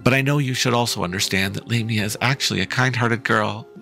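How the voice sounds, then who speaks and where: A man's voice: mid-range voice, a little fast, creaky, bright, forceful tone, faint music behind. A man casually reading a game's dialogue aloud, playful and with offhand asides. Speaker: streamer.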